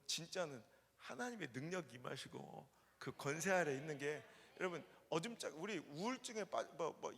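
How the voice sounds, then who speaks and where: A middle-aged male revival preacher with a fairly high, gravelly voice. He preaches in an earnest, confessional way and sometimes slides into loud, joking asides. The sound carries a long church-hall reverb. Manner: earnest, confessional, bursts into loud playful banter. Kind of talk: revival sermon. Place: church sanctuary.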